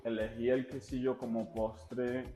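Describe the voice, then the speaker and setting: A young Venezuelan man in his twenties with a Venezuelan accent, speaking calmly and proudly as a cook in a documentary. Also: medium pitch, measured pace, reverberant, faint music behind. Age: 20s. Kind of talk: documentary interview.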